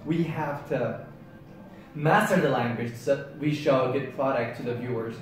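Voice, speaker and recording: A man's voice: mid-range voice, moderate pace, distant mic, a little hiss or hum. Upbeat Yemeni man in an echoey room. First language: Arabic. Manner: upbeat and eager, laughs often. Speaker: co-host. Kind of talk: casual chat.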